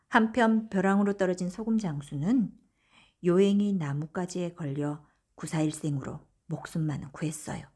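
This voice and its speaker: Husky-voiced woman narrating a bedtime folktale. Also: fairly low pitch, dark tone. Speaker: audiobook narrator.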